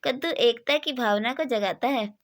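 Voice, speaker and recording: A slow-witted village idler who keeps asking puzzled questions in a halting way, read aloud by a woman. The voice sits a little high. It is an everyday storybook reading rather than a full character voice. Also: natural voice. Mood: indignant.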